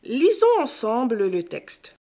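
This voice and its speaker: A woman's voice: on the high side, wildly swooping pitch, dark tone. A woman teacher giving a scripted lesson, explaining carefully and didactically. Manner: slow, careful, didactic delivery. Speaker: French teacher.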